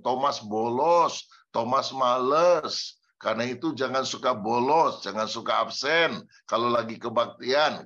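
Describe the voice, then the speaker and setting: Bright-voiced male pastor preaching. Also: medium pitch, muffled recording. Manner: lively preaching, addresses listeners as "saudara", acts out quotes. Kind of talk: sermon. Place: church.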